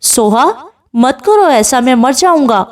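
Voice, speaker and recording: A guilt-ridden young man begging through tears, as a woman reads him in a story. The voice sits fairly high and pleads softly. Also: expressive, distant mic. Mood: pleading. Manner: pleading, tearful.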